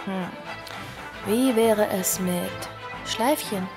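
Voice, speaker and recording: An actress playing an earnest, cautious girl who recounts her story in a horror audio drama, measured and reflective. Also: mid-range voice. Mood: hesitant, gentle. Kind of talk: audio drama narration and dialogue. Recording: music behind the voice.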